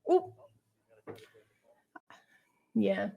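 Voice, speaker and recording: A woman's voice: extremely slow, highs cut off. A young woman hosting a live esports stream, upbeat and full of fillers, interviewing players.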